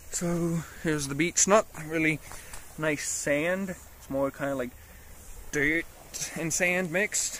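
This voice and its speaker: Pausing long and often, a man talks at a fairly slow pace in a fairly high pitch. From New Zealand and Canada (moved to Canada at four, recently back). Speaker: gaming YouTuber. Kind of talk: vlog tour narration. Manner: casual, hesitant with fillers.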